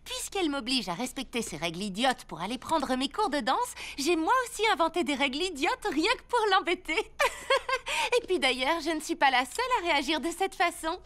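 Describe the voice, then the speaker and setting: A woman voicing a playful, mischievous, excitable young girl in a French cartoon dub, with a theatrical, expressive delivery. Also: high voice, moderate pace.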